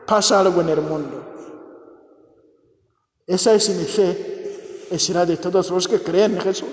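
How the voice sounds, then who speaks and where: A priest, a man who is not a native speaker, preaching a homily at a healing mass with fervent, repeated invocations that rise into exclamations. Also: sits high. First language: not Spanish. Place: church. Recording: echoey church with long reverb.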